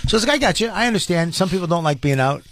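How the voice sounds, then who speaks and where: A man's voice: sits high, expressive, very fast, fairly bright tone, a little hiss or hum. A man, a comedian co-hosting a podcast, telling loose, profane stories in casual banter with stumbling restarts.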